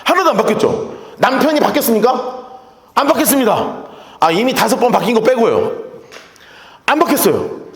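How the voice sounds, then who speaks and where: A man preaching a sermon in a reverberant church hall, his voice sitting high and swinging widely as he plays out little scenes. He jokes with the congregation between points. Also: brisk, pauses often. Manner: animated, acts out quoted speech; humorous asides to the congregation. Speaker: pastor. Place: church sanctuary.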